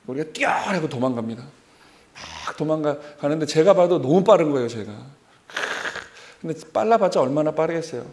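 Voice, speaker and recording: A man in his forties preaching a sermon, telling a personal story in an animated way and acting out remembered dialogue. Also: on the high side, a little fast. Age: 40s.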